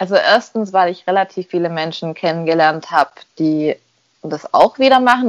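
An unremarkable speaking voice moves at a fairly quick pace with ordinary pitch variation. The sound is dry and close, with no echo. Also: woman. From Stuttgart area, Germany. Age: 20s. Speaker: amateur runner. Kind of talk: interview.

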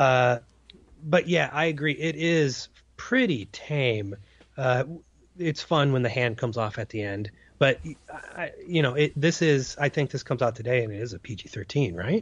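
This man speaks with an American accent and lively intonation. His voice is somewhat breathy. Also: medium pitch for a man, moderate pace. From US Midwest. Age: 40s. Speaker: podcast host and film columnist. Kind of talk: casual chat.

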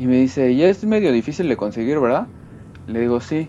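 A normal speaking voice from a man, medium pitch, lively intonation. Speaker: podcast co-host. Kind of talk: casual chat.

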